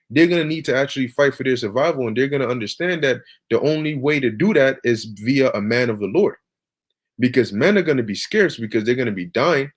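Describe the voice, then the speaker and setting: A man preaching on scripture over a video call, emphatic and peppered with "all right" and "okay". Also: mid-range voice.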